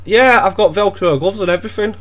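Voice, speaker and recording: A young Welsh man, a gaming video creator, trolls an opponent over game voice chat, sounding mock-innocent and sarcastic. He talks fast in a high voice, teasing with a deadpan delivery.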